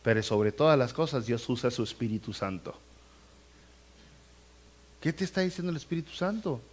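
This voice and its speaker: A man preaching a sermon as pastor in a church. He talks to the congregation directly and acts out scenes with animated voices. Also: medium pitch, moderate pace. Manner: conversational, addresses the congregation directly. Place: church sanctuary.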